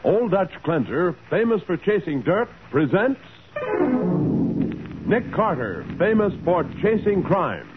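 A man's voice: high voice, big pitch swings, slow pace. A man announcing and narrating a radio show in dramatic, scripted 1940s style. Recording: narrow-band old radio with loud music. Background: loud music.

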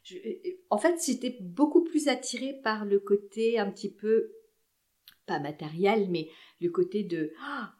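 A woman's voice: mid-range voice, a little slow, warm tone. A woman in her forties, a podcast guest, telling casual anecdotes in a chatty, hesitant way with many restarts.

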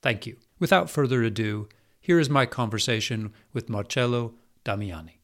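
Guy hosting a business podcast, mid-pitched voice, measured and formal. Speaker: podcast host. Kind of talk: scripted podcast intro and interview.

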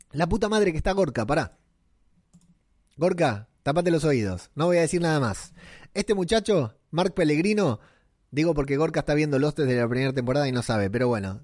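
Un hombre con acento rioplatense argentino que comenta una serie en tono charlado, con muchas muletillas y frases que retoma. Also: male voice, fairly high pitch, a little mellow, dry recording, clean studio sound. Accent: Argentine Rioplatense Spanish. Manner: rambling, colloquial, many fillers and restarts. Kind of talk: casual commentary on a TV series.

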